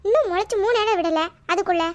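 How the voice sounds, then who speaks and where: Woman doing a loud bossy cartoon mom, very high pitched, sharp scolding tone. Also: quick pace, no room sound. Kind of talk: cartoon voice acting.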